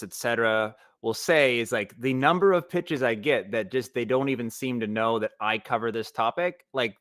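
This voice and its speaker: Guy on a panel talking casually, medium pitch, keeps restarting his sentences, dry room sound. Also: a bit bright, dry recording. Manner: halting, restarts thoughts repeatedly.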